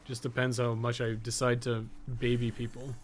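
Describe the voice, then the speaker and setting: A man's voice: medium pitch, completely flat delivery, normal speed, slight background noise. A man giving casual live gameplay commentary, rambling and thinking aloud in loose, sometimes profane language. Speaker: podcast co-host and gaming streamer.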